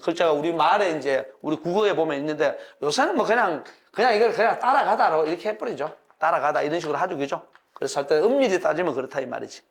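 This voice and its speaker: An older man in his sixties lectures a class in a folksy, animated way. His voice sits high for a man. He keeps checking in with his listeners and chuckles as he explains. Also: quick pace. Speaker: university professor lecturing on classics.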